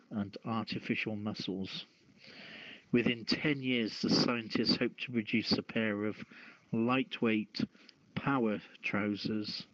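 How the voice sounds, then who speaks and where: A man hosting a news podcast, reading stories aloud in a halting way with stumbles. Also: mid-range voice, fairly bright tone, no echo. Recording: dull lo-fi, dry close sound.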